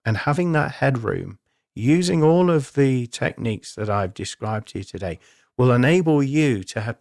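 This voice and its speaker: A man's voice: medium pitch, dry recording, studio quality. A man hosting a spiritual talk, explaining techniques in an earnest, reassuring, instructional way. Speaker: spiritual medium and radio host.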